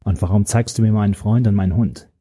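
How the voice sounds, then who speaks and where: A man voicing a gruff old male investigator who speaks slowly and growls his words. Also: fairly even intonation, dark tone. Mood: grim. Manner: slow, low, growling. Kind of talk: audiobook character voice.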